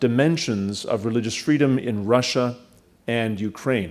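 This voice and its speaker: With a Canadian accent, this speaker keeps a moderate pace. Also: man. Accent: Canadian vowels. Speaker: deacon and think tank fellow, event moderator. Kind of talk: panel moderation introduction. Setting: live conference side event. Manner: formal.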